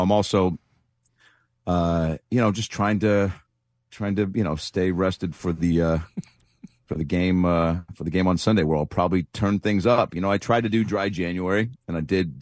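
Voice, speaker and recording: A man's voice: low voice, dry recording, studio quality. A man who is a comedian, chatting as a guest and telling rambling, self-deprecating stories full of fillers. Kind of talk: casual anecdotal chat.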